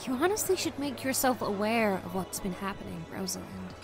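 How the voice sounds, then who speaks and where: A woman's voice: mid-range voice, lively intonation, a little fast, vocal fry. Chatty upbeat young woman influencer, as an actress plays her, teasing and protective, music underneath. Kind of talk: audio drama acting.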